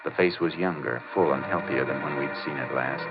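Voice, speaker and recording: An actor in a 1950s radio drama playing a steady, determined Texas Ranger, terse, matter-of-fact and authoritative. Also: male voice, extremely low pitch, brisk, over loud music. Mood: grave. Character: steady, determined Texas Ranger lawman narrating his case. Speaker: lead character and narrator. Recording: muffled, noisy old radio recording with clicks.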